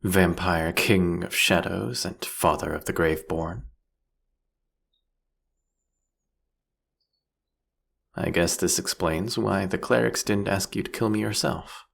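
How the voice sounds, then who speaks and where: A man playing a seductive, mocking vampire king in a fantasy audio roleplay, with theatrical, teasing, eloquent delivery and a husky, gravelly voice. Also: sits low, steady tone, moderate pace, hardly any pauses, a bit bright, heavily acted.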